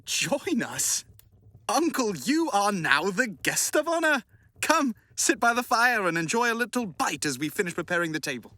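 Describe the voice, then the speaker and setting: An actor playing a good-natured Victorian gentleman, effusive and easily flustered, in a radio play. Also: mid-range voice, sing-song, moderate pace, dry recording. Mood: welcoming.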